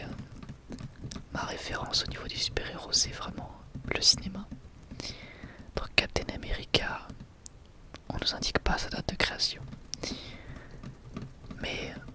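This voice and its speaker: Casting: ASMR host, soft library whisper throughout, casual unhurried book commentary with musing asides.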